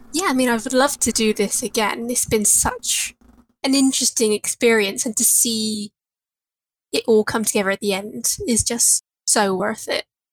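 At a moderate pace, a woman with a fairly high pitch and ordinary pitch variation speaks with an English accent in a dry, close sound with no echo. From England. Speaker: fiction author. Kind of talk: interview.

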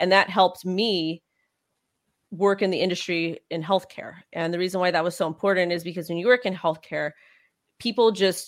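A woman with an American accent, fairly low-pitched, talking at a very fast pace. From Los Angeles County, California. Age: 30s. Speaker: crypto YouTuber and show host. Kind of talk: casual interview chat.

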